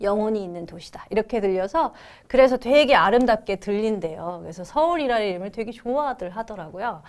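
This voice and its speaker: A woman giving an exam prep lecture as an English teacher, reading English lines slowly, then translating and explaining in a chatty way with rhetorical questions. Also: medium pitch, animated, a little mellow.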